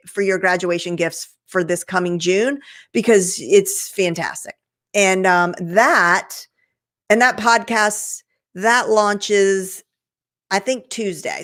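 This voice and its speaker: A woman's voice: medium pitch, fairly bright tone. Female online host, mid-range voice, informal and enthusiastic, loosely talking through a recap as if chatting with viewers. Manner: conversational, rambling, enthusiastic. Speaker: host of an online marketing show. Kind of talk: casual chat recap to a live online audience.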